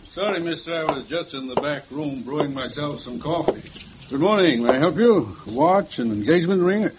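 A man's voice: fairly high pitch, expressive, normal speed, close to an everyday voice. An actor playing a fussy, polite elderly male jeweler in a 1950s radio drama, flustered and eager to please. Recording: old radio recording with faint hiss.

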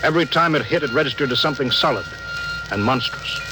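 A man's voice: mid-range voice, animated, fast talker, over loud music, close to an everyday voice, low-quality recording. An actor playing a stern, cautious male starship captain in a 1950s radio drama, giving clipped commanding orders.

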